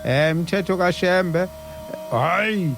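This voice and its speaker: A man's voice: sits high, slow pace, creaky. A man with a South African accent hosting live radio in casual talk, often stammering and repeating syllables as he goes. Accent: South African Zulu-speaking. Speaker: radio host. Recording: music behind the voice. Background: music.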